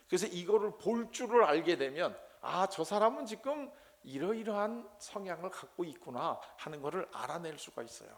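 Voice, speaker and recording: A man giving a lecture on pastoral counseling. He asks the class questions and acts out scolding voices. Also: high-pitched.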